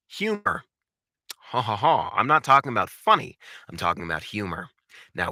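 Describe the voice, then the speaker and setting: A man's voice: mid-range voice, pushed and bright, dry recording, clean studio sound. A man coaching voice acting in an instructional talk, speaking emphatically and often posing rhetorical questions. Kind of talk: instructional talk with acted examples.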